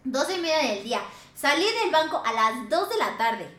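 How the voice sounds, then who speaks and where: High-voiced Mexican woman, animated storyteller. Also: moderate pace, roomy sound. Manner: animated, swears a lot, acts out quoted dialogue. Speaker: podcast host. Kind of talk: casual storytelling chat.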